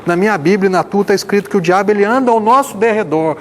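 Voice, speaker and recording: A man preaching a sermon as pastor, firing rhetorical questions and swinging between loud emphasis and hushed passages. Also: sits high, quick pace, a little hiss or hum.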